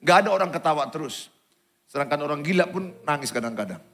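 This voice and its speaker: A pastor with a Medan accent delivers a sermon in a church hall, his voice pitched high for a man. He swings from loud, urgent exhortation to quiet, softer asides. Faint music plays behind him. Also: animated, quick pace. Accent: Indonesian, Medan. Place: church auditorium.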